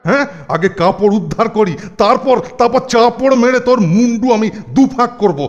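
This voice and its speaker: An actor playing a fussy, easily flustered older school superintendent in a children's cartoon, blustering and repeating himself. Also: male voice, very high voice, brisk, dull audio, slight background noise. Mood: angry, scolding. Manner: blustering, repeats words in agitation. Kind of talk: exaggerated children's cartoon acting. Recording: music bed behind the voice.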